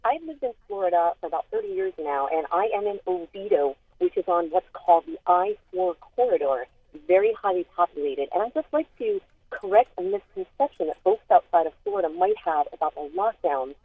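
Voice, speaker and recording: A woman's voice: on the low side, expressive, a little fast, breathy edge, dry recording. A middle-aged woman calling in to a radio show over the phone, making a firm, corrective point. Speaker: caller. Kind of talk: call-in radio comment. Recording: tinny phone line.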